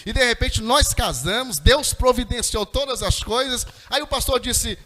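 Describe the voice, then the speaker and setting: In a very high, bright voice and at normal speed, a middle-aged missionary preacher gives a fervent sermon testimony, telling his story straight to the congregation. His words ring through a long, echoey church hall.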